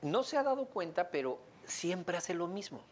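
A man with a Mexican accent giving a lively lecture to a live audience, joking and asking them questions. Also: high-pitched, moderate pace, slight background noise. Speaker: speaker teaching an audience.

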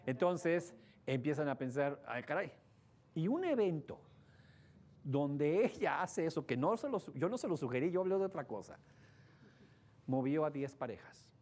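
A man with a Mexican accent gives a lively talk to an audience, telling stories, acting out the voices of the people in them and asking the audience questions. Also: a little high. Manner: animated, acts out voices in his stories, asks the audience questions. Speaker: speaker giving a relationship talk.

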